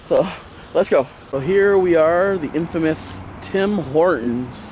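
Here the vlogger's voice is fairly high, slow and a little mellow, with a faint hiss or hum on the audio. He's stuffed up from a cold and keeps up a rambling, filler-heavy chat to a handheld action camera held at arm's length as he walks around town, from his bedroom to the streets and a store.

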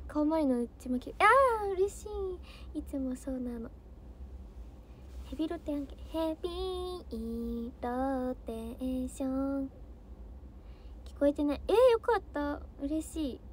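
A woman's voice: high-pitched, lively intonation, unhurried, long pauses, a little hiss or hum. A young woman, an idol trainee, chatting casually on a livestream, bubbly and easily flustered as she answers comments.

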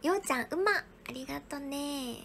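High-voiced young woman, soft and whispery. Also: expressive, moderate pace, creaky, slight background noise. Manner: soft, often whispery, thanking viewers one by one. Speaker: livestream host. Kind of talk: casual livestream chat reading viewer gifts.

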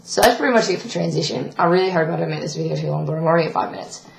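Croaky young trans man, webcam vlog. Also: fairly high pitch, very fast, reverberant, slight background noise. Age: young adult. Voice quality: croaky, breaking voice. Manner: rambling, many ums, self-correcting. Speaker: vlogger. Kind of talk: casual video diary update. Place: small bedroom indoors. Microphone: webcam at desk.

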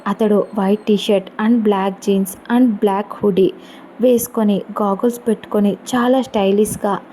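A woman narrating a love story in an expressive storytelling manner, mixing in English words. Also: mid-range voice, a little hiss or hum.

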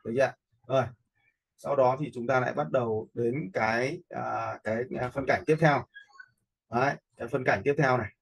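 A man giving a casual, step-by-step software tutorial, informally checking in with listeners as he goes. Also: mid-range voice, moderate pace, gravelly, husky, poor audio. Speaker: video editing instructor. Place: indoors, voice-over for a screen recording.

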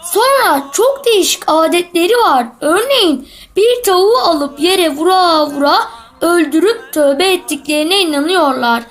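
A cheeky little schoolboy from a comic cartoon. The voice is extremely high and childlike. He sounds confident and witty, lecturing like a pious know-it-all with an answer for everything. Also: animated, moderate pace. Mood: earnest, explaining. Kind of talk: scripted comic cartoon dialogue.

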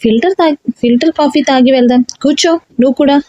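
A woman's voice: high-pitched, fast, warm tone, no room sound, highs cut off, lightly acted. A woman reading a story aloud and voicing a bossy, irritable young man who scolds the heroine. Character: gruff bossy young man, a rowdy hero.

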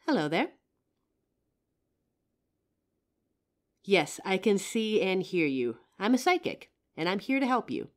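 A woman's voice: medium pitch, big pitch swings, normal speed, lightly acted. A woman playing a young psychic, earnest, confident and helpful, in a scripted roleplay audio drama. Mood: reassuring, earnest. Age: young adult. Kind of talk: scripted roleplay audio acting, addressing the listener.

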